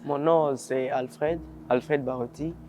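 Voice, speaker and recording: A man's voice: mid-range voice, steady tone, slow, darkish tone, slight background noise. A fourteen-year-old boy from Congo talking casually and shyly in a documentary testimony. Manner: casual, slangy, shy. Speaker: interviewee.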